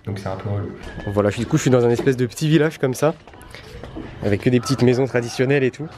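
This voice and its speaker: A man's voice: mid-range voice, fast talker, a little mellow, a little hiss or hum. A young man chatting casually and informally to a travel vlog audience in offhand, slangy speech. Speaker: travel vlogger.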